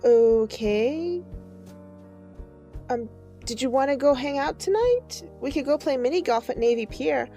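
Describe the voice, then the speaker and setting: A woman's voice: sits high, animated, a little slow, long pauses, mellow, faint music behind. An actress playing a casual, tentative young woman in an audio drama, a little hesitant. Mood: hopeful, casual.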